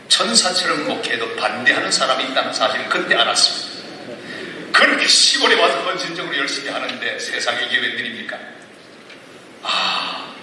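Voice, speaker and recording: A middle-aged male pastor telling a story in his sermon, animated, breaking into sudden excited bursts. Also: on the high side, a little hiss or hum. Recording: echoey hall, mic heard from a distance.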